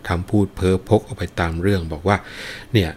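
A man's voice: sits low, fairly even intonation, fast talker, a little mellow, a little hiss or hum. A man retelling an old folk tale and explaining its verses, in a polite, explanatory manner. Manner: polite, explanatory, adds sentence-final particles. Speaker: storyteller. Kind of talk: storytelling with commentary on verses.

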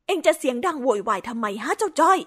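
A woman voicing a gruff, scolding rural mother in a children's story drama, blunt and bossy. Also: high-pitched, lively intonation, fast, fairly bright tone. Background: background music.

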